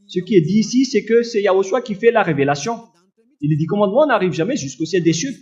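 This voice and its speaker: A man preaching a fervent sermon in a loud, forceful, admonishing manner, reading and explaining scripture. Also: high voice, animated, fast, lo-fi sound. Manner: accusatory, admonishing.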